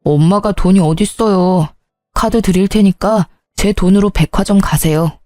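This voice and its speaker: Woman voicing an adult son, insistent and angry, mellow low tone. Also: normal speed, no echo, faint music behind, natural voice. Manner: insistent, pleading, sharpening into anger. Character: grown son, earnest then exasperated and shouting. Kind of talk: storytelling with voiced characters.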